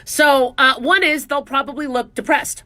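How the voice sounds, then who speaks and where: A woman in her forties hosts a radio show with a high, bright voice. She talks in a chatty, self-mocking way, full of jokes. The sound is a close studio microphone. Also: steady tone, normal speed. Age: 40s. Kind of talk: casual talk radio monologue.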